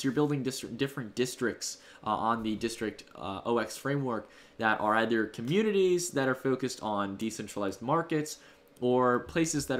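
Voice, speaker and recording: A man hosting a livestream from home, casually thanking donors and answering chat in a loose, rambling way. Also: medium pitch. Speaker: livestream host. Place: home room.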